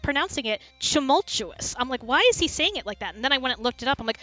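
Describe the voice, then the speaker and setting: A woman's voice: sits high, expressive, fast talker, bright, forceful tone, rough recording. A woman hosting a cast chat, giggling often and reading out audience questions. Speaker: host and director. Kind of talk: casual chat.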